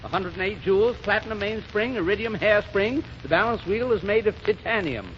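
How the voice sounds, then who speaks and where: A man's voice: high-pitched, a little fast, highs cut off. A man doing 1930s radio comedy, talking in boastful, blustering rambles. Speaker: comic regular. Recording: scratchy 1930s radio broadcast with hiss.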